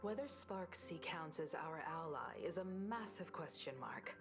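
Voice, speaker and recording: A woman's voice: deep voice, lively intonation, unhurried, over music. An actress playing a composed, matter-of-fact woman in a video game, explaining things in a level-headed way. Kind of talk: scripted game dialogue.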